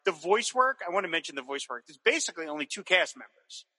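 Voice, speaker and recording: A man's voice: on the high side, big pitch swings, fast, bright, forceful tone, in a large hall, rough recording. A man chatting casually as a podcast co-host, enthusiastic and rambling, with many restarts. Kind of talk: casual chat reviewing old cartoons.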